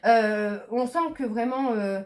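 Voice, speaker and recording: A woman doing a casual card reading, chatty and hesitant, with many fillers and restarts, slowing down when she reads card messages aloud. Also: a little high, a little mellow. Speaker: medium doing a tarot reading.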